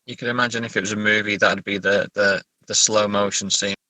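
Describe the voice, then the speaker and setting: A man's voice: on the low side, fairly even intonation, fairly quick, bright, forceful tone, no room sound, poor audio. A man talking as a writer in a casual interview, reflective and hesitant, often repeating words as he thinks. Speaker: writer, podcast guest.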